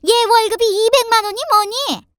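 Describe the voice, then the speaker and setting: A woman's voice: extremely high pitch, sing-song, bright, forceful tone, no room sound, studio quality, voice pushed up, heavily acted. A woman voicing a nagging, indignant older mother-in-law with a scolding, haughty manner in a dramatized family story. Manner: scolding, haughty, rapid complaints.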